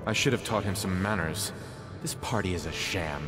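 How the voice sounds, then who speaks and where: A man's voice: deep voice, moderate pace, over music, natural voice. A man playing a cynical aristocratic party guest in a video game, dry and disdainful. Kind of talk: video game character dialogue.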